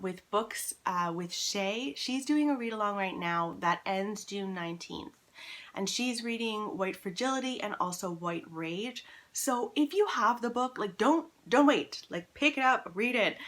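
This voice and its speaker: A woman's voice: medium pitch, fairly bright tone. A woman talking casually to camera as a vlog host, earnest and emphatic, repeating words for emphasis. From Canada. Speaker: book vlogger, channel host.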